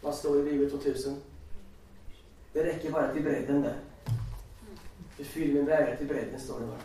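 A man's voice: a little high, flat delivery, warm tone, slight background noise. A man preaching a sermon, telling a story and reciting scripture with rising emphasis. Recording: echoey hall, distant from mic.

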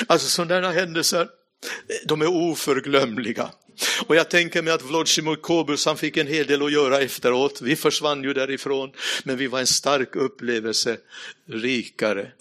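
Preaching a sermon, a medium-pitched man shares a personal testimony in storytelling fashion, speaking straight to the congregation. He lowers his voice to a hush at tense, dramatic moments and laughs lightly now and then.

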